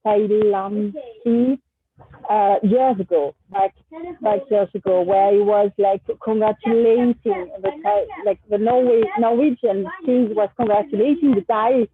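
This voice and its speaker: A woman from France, a native French speaker with a French accent, telling a casual anecdote in a halting, discursive way. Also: mid-range voice, fairly even intonation. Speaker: session participant. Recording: tinny phone-like line, dry.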